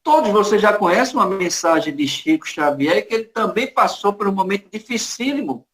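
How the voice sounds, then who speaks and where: A man's voice: high voice, expressive, brisk, a bit bright. A man with a Brazilian accent giving a spiritist lecture, telling stories with dramatic emphasis. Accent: Brazilian Portuguese. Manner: storytelling, dramatic, varied emphasis.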